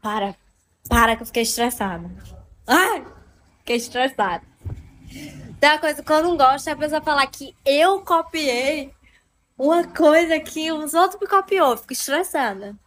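Playful high-voiced woman. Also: lively intonation, normal speed, pauses often, fairly bright tone, slight background noise. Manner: chatty, playful, greets viewers and laughs often. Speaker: livestream host. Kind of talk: casual live stream chat with viewers.

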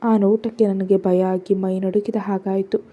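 A woman narrating a first-person family drama story in a soft, hushed storytelling voice. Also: mid-range voice, flat delivery, normal speed, dull audio.

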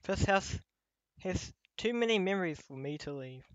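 A man playing a gentle, nostalgic childhood teddy bear in an ASMR roleplay, speaking tenderly and wistfully with frequent pauses. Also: high voice, lively intonation, no echo, lo-fi sound. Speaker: voice actor. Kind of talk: ASMR roleplay addressed to listener.

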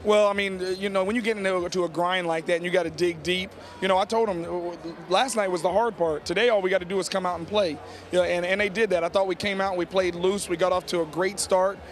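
This is a postgame interview with a middle-aged American man who coaches high school basketball, recorded on a large indoor arena's court through a handheld reporter microphone held to him. His pitch is high, his intonation fairly even, and his pace fast.

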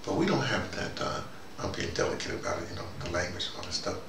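A man giving a rambling, informal monologue as host, halting and digressive, often falling back on "you know". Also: low-pitched, expressive, vocal fry. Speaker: host of a spoken dispatch series. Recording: roomy, noisy, distant microphone.

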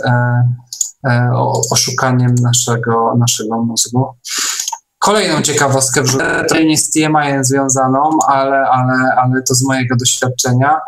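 A man hosting a casual online discussion, speaking haltingly and often repeating his words. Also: mid-range voice, background noise. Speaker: online meeting host.

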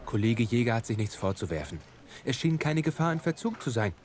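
An actor playing a middle-aged police commissioner who speaks in a measured, authoritative way. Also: male voice, medium pitch, very animated, a little hiss or hum, close to an everyday voice. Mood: firm. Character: calm, firm senior police commissioner, man.

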